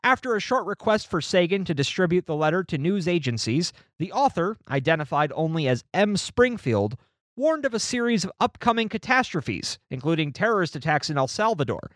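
In clean, dry studio sound, a male podcast co-host with a voice on the high side discusses a book in relaxed conversation and reads long sections of it out loud. He comes across animated and lively, restarting now and then.

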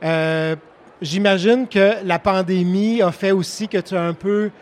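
A man with a high voice interviews a guest on a book fair stage. He halts often and fills his gaps with fillers. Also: steady tone. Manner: many fillers, halting. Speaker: bookseller and literary host. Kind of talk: hesitant interviewer.

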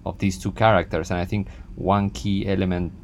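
Deep gravelly man with halting speech. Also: level tone, slight background noise. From born in Spain, raised in Argentina. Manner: halting, many restarts and fillers. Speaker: guest film director. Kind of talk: casual interview talk.

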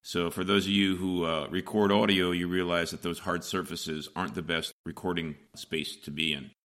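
A middle-aged man hosting a solo podcast, hoarse and raspy, explaining things plainly, step by step, from a small home recording booth. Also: low-pitched, little pitch movement, moderate pace, fairly bright tone. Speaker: podcast host.

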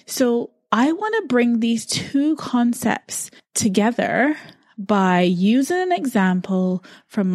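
A woman's voice: medium pitch, a little mellow, dry recording, studio quality. A woman, hosting a solo podcast and telling a personal story in a reflective, conversational way. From Barbados. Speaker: podcast host.

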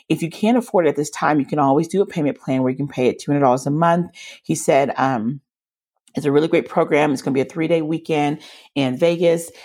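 A woman's voice: low voice, a little mellow. A woman in her forties, slightly nasal as she recovers from a cold, hosting her podcast in an earnest, encouraging storytelling way. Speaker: podcast host. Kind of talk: solo podcast monologue.

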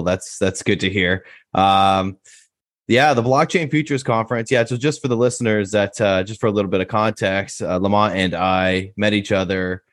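A man's voice: sits low, no echo, studio quality. A man hosting a podcast, asking friendly, rambling questions with frequent restarts. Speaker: podcast host. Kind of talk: casual interview chat.

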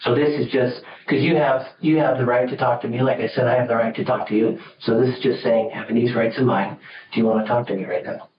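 A male police officer gently coaxing a teen, heard on old interrogation tape footage from an interrogation room. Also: mid-range voice, fairly even intonation, fast talker. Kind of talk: interrogation talk. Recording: roomy, distant, dull, noisy interrogation tape.

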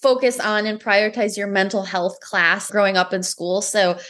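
Woman, mid-pitched voice, first language romanian, podcast guest, earnest, animated storytelling. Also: normal speed. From United States. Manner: earnest, animated storytelling with acted-out inner dialogue. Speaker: mindset coach, guest. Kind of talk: conversational podcast interview.

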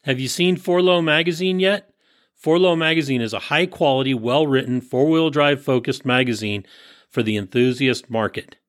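A man's voice: mid-range voice, moderate pace, no room sound. Podcast host man, dry close sound. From Northern California. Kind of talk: interview podcast, scripted intro and ads.

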